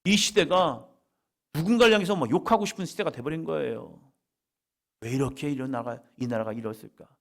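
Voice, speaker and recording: A middle-aged man preaching a sermon at a church worship service, alternating loud emphatic declarations with hushed whispers and acting out quoted prayers. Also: on the high side, expressive, a little fast, creaky. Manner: acts out quoted prayers and voices of others. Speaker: pastor.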